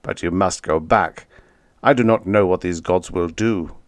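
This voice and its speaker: Man reading as an earnest young tribal hunter, low-voiced. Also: unhurried, no echo. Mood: worried.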